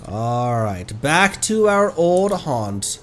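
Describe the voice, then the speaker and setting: Slow-paced man with very animated pitch. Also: slight background noise. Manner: animated, swears, laughs readily. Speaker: streamer, vtuber. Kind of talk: casual game playthrough chat. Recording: game music behind. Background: video game music.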